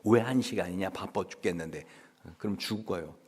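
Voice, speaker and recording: A man preaching a dawn revival sermon, animated and constantly asking the congregation questions. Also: moderate pace, slightly rough. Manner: animated, acts out quails and children in high voices. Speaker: pastor. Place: church sanctuary.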